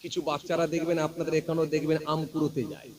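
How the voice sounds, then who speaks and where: A man with a West Bengal Bengali accent preaching a sermon as a lively story, often checking whether his audience follows. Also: on the high side, fast talker. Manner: animated, keeps asking the crowd if they follow. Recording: preacher before a live crowd. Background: crowd.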